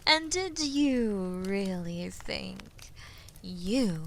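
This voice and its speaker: A woman voicing a haughty, menacing female dragon in a fantasy audio roleplay, taunting and condescending, with a breathy voice that often drops toward a whisper. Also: mid-range voice, expressive, slight background noise, heavily acted. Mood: mocking, amused. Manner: taunting, condescending, theatrically slow and deliberate. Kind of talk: scripted fantasy audio roleplay addressed to the listener.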